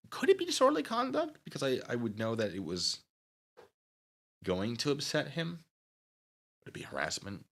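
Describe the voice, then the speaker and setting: A man's voice: fairly low pitch, sharp tone. A man live streaming, rambling casually with mock-petty sarcasm while reading chat.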